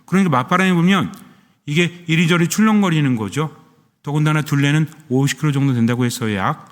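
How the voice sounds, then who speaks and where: A man's voice: on the high side, quick pace, big-room sound. A man, a Catholic priest, preaching a sermon who keeps asking his listeners questions and answering them himself.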